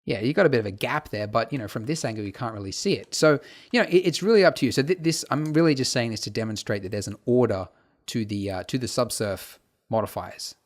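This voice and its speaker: A man teaching a casual software tutorial over his screen, chatty and full of fillers and asides. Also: medium pitch, fast talker. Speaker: tutorial instructor.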